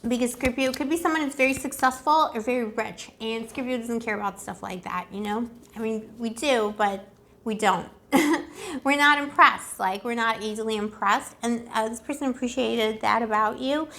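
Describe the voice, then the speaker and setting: A woman with a fairly high voice hosts a casual love tarot reading. She talks straight to her viewers in a playful, rambling way, full of pet names and asides. Her voice sounds a little worn, as if it is starting to go. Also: moderate pace, a bit bright. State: slightly losing her voice. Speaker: tarot reader and channel host.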